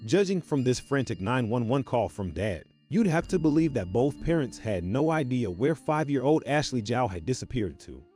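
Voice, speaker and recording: A man's voice: mid-range voice, big pitch swings, normal speed, few pauses, darkish tone. A man narrating a true crime documentary from a script, in a storytelling style. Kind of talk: scripted narration with rhetorical questions. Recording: music bed under narration.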